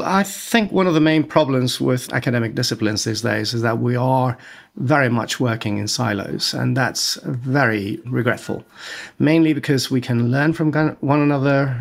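A middle-aged man from Spain with a Spanish accent, answering interview questions in a measured, deliberate way. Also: medium pitch, gravelly. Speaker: guest, economic geographer.

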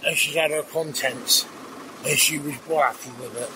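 A man's voice: on the high side, steady tone, normal speed. A man volunteering at a food larder, speaking plainly and chuckling in an on-location interview outdoors by a van. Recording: outdoor field recording, loud background noise.

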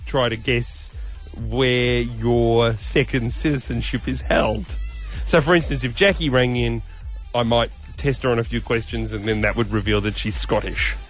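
A man hosting a breakfast radio show, bantering in a deadpan, teasing way. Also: mid-range voice, moderate pace, soft background music.

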